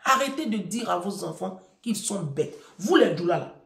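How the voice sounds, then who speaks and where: Animated woman telling stories in an echoey room. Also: medium pitch, moderate pace, vocal fry. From Africa. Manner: animated and emphatic, addresses listeners directly, repeats phrases. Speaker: community speaker giving parenting advice. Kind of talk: casual storytelling monologue to an audience.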